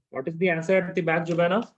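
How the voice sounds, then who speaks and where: A man's voice: high voice, slightly rough, highs cut off. A man with a South Asian accent teaching informally, repeating his phrases and often asking questions to check understanding. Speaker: chemistry teacher. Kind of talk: informal one-to-one tutoring.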